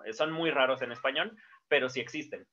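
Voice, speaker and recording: A man's voice: medium pitch, a little fast, sharp tone. A man, teaching a casual lesson at a board and explaining step by step with fillers and self-corrections. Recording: dull lo-fi sound.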